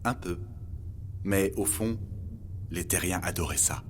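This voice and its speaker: A man playing a polite robot guide in an audio documentary drama, speaking in a measured, formal way over music. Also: low voice, a little hiss or hum. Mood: measured, explanatory. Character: polite, earnest male robot guide recounting humanity's end. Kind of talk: scripted documentary fiction narration. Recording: music bed behind the voice.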